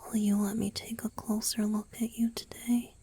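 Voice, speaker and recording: A woman playing a gentle, doting young male vampire boyfriend in a romantic ASMR roleplay, speaking softly and tenderly, mostly in a breathy whisper. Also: medium pitch, little pitch movement, normal speed. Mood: caring, attentive. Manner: tender, attentive, softly reassuring.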